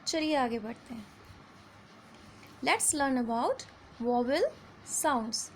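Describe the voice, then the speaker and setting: A woman with a light, high voice and an Indian English accent gives a phonics lesson, teaching children vowel sounds. She slows down to draw out each example word and moves between English and Hindi, with a faint ambient hum beneath her.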